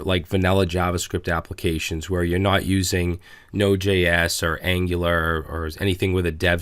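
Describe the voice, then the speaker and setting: A man with a slightly raspy voice giving a relaxed, casual coding tutorial while clicking through his editor, with frequent fillers. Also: low voice, no room sound.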